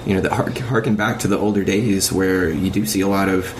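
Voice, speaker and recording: A man in a casual, analytical podcast discussion, explaining points about games in a measured, thoughtful way on a dated amateur recording. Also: deep voice, steady tone, noisy background.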